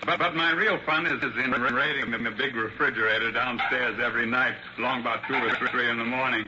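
A man's voice: mid-range voice, fairly even intonation, a little fast, lightly acted. An actor playing a blind male writer and genial host who stammers and repeats his words. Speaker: host and author. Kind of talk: 1960s radio drama acting. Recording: lo-fi old radio with hiss.

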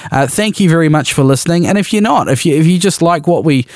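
A man's voice: on the high side, lively intonation, fast, dry recording. Man, New Zealand accent, podcast host, chatty sponsor plugs, dry close sound. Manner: chatty, upbeat, lots of uh fillers. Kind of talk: casual chat with sponsor reads.

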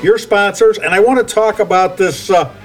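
A man's voice: high voice, normal speed, soft background music. A man hosting a casual interview, rambling in a folksy way and often stammering and repeating his words. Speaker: podcast host.

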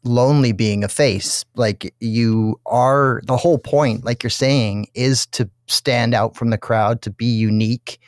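A man's voice: medium pitch, fairly even intonation, a little slow, hardly any pauses, no room sound, clean studio sound. Joking male podcast host. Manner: joking, laughs often. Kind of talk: casual interview chat.

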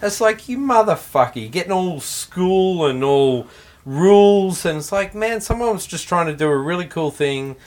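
A man co-hosting a casual talk show, blunt and profane, getting excited as he talks. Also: sits high, moderate pace. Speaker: podcast co-host. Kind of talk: casual chat.

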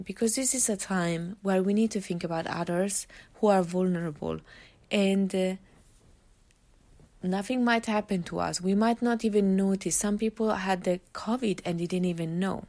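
A woman's voice: mid-range voice, darkish tone. A woman with an Italian accent hosting a solo podcast, giving earnest, encouraging advice with frequent fillers and restarts. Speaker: podcast host.

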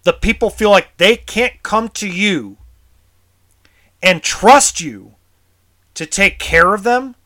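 A man's voice: sits high, animated, slow, pauses often, pushed and bright. A tense man ranting in a vlog as an RV service technician, frustrated and heated, swearing and stammering over repeated words. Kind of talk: vlog rant.

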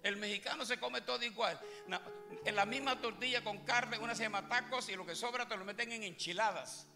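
Joking pastor, gravelly voice. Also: male voice, sits high, a little fast. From Puerto Rico. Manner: joking, teasing the congregation. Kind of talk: comic sermon. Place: large church hall. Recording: live church hall with music. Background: music playing.

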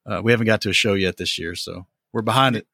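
A man's voice: lowish voice, quick pace, creaky, sharp tone, no echo, clean studio sound. A man hosting a hobby podcast, chatting in an upbeat, casual way with frequent fillers. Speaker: podcast host.

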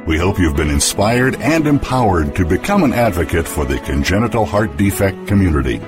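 A male announcer with a very deep voice and a lively, swinging delivery, reading a smooth scripted outro. Loud music plays under him. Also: fairly quick.

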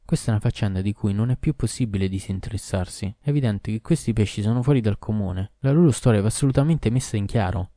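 A man's voice: on the low side, fast, few pauses, dark tone, no room sound, clean studio sound, close to an everyday voice. A man voicing an imperious king in a storybook reading, giving orders with authority. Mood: commanding. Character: commanding old-world male king.

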